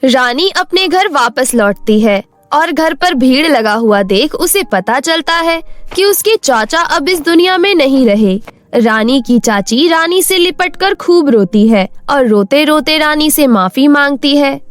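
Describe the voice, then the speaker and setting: A woman's voice: high voice, animated, measured pace, no room sound, faint music behind. A woman narrating a moral bedtime story in a scripted storybook style.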